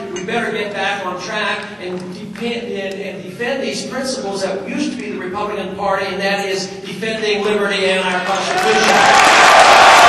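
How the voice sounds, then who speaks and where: Over loud background noise and with audible room echo, a man speaks at a moderate pace with hardly any pauses. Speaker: candidate. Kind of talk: campaign speech. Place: hall.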